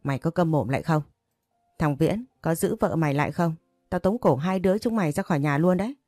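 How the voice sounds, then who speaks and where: A gruff, irritable old patriarch, as a woman narrator puts him on barks orders at his family. The voice is low and mellow, recorded dry and close. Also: animated, brisk, no echo, soft background music. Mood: angry. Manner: gruff commanding scolding. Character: irritable old patriarch, stern household head.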